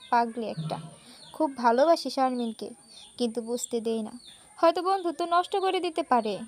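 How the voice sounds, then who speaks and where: Woman, high voice, storytelling narration, lively conversational reading. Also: a little hiss or hum.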